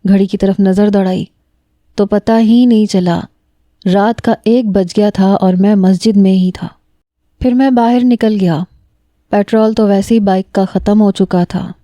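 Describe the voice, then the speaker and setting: A woman narrating a romantic story in the first person, steady and emotional. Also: medium pitch, dry recording.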